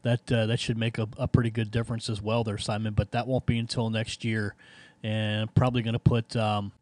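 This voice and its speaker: Male amateur radio operator, casual and halting conversational delivery, very dry recording. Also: fairly low pitch, flat delivery, a little mellow, no echo. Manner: halting, searching for words. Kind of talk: casual ham radio contact chat.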